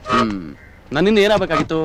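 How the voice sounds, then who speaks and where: An actor playing a harsh, contemptuous police inspector who rebukes visitors. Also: male voice, fairly high pitch, sing-song, background noise. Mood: curt. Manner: scornful, rapid-fire rebukes.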